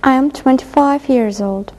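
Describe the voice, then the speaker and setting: A woman with a high, mellow voice gives short, clear answers as a classroom assistant. Her words hang in a long reverb, as if in a big room. Each reply is simple and distinct. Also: moderate pace.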